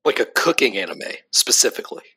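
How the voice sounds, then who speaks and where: A young adult man co-hosts a casual podcast, chatting loosely with plenty of "like" fillers and quick laughs. His mid-range voice is expressive and slightly rough, with a sharp tone, and he talks fast.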